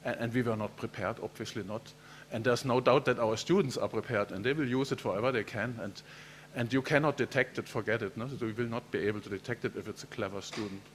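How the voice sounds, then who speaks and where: Chatty professor giving keynote. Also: male voice, medium pitch, fairly even intonation, fast, slight background noise. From Germany. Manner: friendly, chatty, repeats words while speaking. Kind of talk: keynote lecture.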